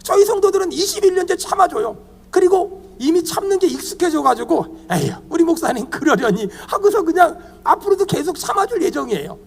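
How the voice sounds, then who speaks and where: A humorous man in his fifties preaches at a church retreat, leading the congregation in call-and-response. His voice sits high and swings widely in pitch. The sound carries a long reverb from a church meeting hall. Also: fairly quick, vocal fry. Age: 50s. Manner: animated, humorous, leads the congregation in repeating phrases. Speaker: guest pastor.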